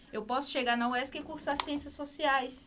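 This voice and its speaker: A woman's high-pitched voice at a moderate pace. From southern Bahia, Brazil (Itabuna). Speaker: university student and student representative. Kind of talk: podcast discussion.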